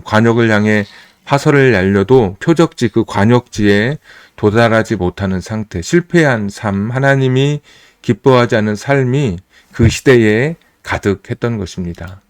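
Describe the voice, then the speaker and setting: A male pastor giving a sermon, explaining the meaning of words slowly and pausing between phrases. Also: fairly low pitch, clear, resonant tone, no room sound, studio quality. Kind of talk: sermon teaching on scripture. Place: church.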